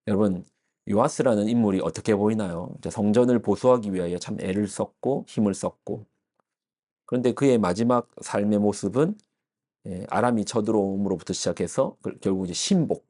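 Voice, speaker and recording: A man delivering an early-morning church sermon in a low, mellow voice. He explains the passage step by step, often pausing on fillers and restarting words mid-phrase. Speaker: pastor.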